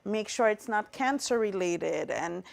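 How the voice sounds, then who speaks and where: A woman's voice: mid-range voice, expressive, unhurried, creaky. A middle-aged woman from Trinidad and Tobago, a guest talking earnestly and reflectively in an interview, with many fillers. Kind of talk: interview conversation.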